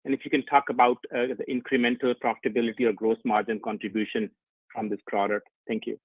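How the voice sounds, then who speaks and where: A man's voice: mid-range voice, little pitch movement, quick pace, husky, no echo. A man speaking as a financial analyst, putting a question to company management on an earnings call. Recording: dry narrow phone line.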